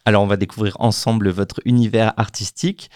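A man's voice: on the low side, fairly even intonation, brisk, a little mellow, clear, resonant tone, no echo, studio quality, faint music behind. A man hosting a radio interview, asking questions in a polite, conversational way.

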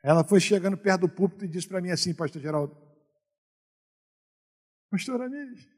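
A middle-aged Brazilian man preaching a sermon as a pastor, telling stories and moving from quiet asides to loud exhortation. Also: sits high, lively intonation, a little fast, big-room sound. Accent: Brazilian Portuguese.

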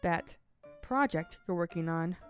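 A woman's voice: lowish voice, lively intonation, measured pace, soft background music. A woman playing a playful, prying camp announcer who speaks to the children over the speakers with a whimsical patter. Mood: teasing. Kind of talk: audio drama acting.

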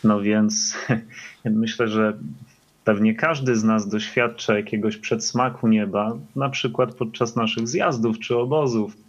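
Low-voiced man on a dull remote line. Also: fairly even intonation, measured pace. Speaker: church member sharing a remark. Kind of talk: remote call-in contribution.

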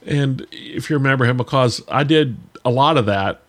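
Animated, chatty male podcast host. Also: medium pitch, moderate pace. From Virginia, US. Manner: animated, self-deprecating, chuckling asides. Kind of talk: casual conversational talk.

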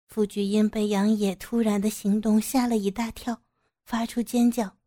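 Mellow-voiced woman narrating a story. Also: medium pitch, little pitch movement, moderate pace. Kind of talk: scripted audio story narration.

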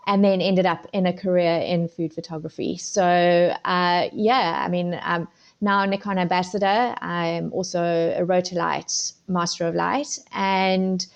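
A middle-aged woman with a South African accent talks through her answers in a fairly low voice. She rambles, restarts her sentences and fills the gaps with ums, like a relaxed podcast guest. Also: unhurried, gravelly. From Zimbabwe and South Africa. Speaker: podcast guest, food photographer.

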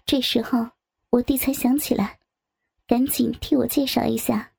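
High husky woman telling a story. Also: steady tone, moderate pace, dry recording, clean studio sound. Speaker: narrator. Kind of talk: first-person audio storytelling. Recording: soft music behind.

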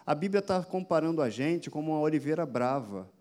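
A man's voice: on the high side, lively intonation, brisk, a little mellow. A man preaching a sermon with a slightly raised voice. He speaks to his listeners through a camera, throwing rhetorical questions at them and driving his points home with rising emphasis. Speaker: pastor. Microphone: addressing a camera for an online audience.

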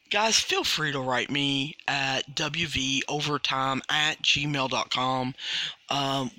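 A man's voice: medium pitch, pushed and bright, dry recording. A man hosting a coaching podcast, speaking in an earnest casual monologue, asking his listeners rhetorical questions and often repeating words as he restarts his sentences.

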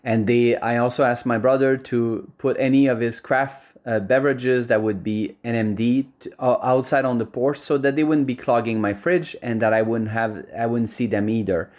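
Measured man sharing a calm testimony. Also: medium pitch. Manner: measured, thoughtful, some restarts. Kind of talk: casual home video testimony.

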